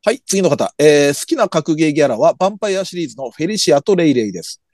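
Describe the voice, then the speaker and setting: A man's voice: fairly high pitch, very fast, no echo, studio quality. A man hosting a casual podcast, reading listener messages aloud and joking along with his co-host. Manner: lively, reads messages aloud with jokey asides. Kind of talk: casual chat.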